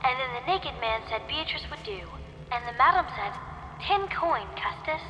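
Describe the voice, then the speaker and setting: A woman's voice: high voice, lively intonation, moderate pace, sharp tone, echoey room, in a large hall, soft background music, poor audio. A childlike storytelling girl. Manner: plain, storybook sing-song.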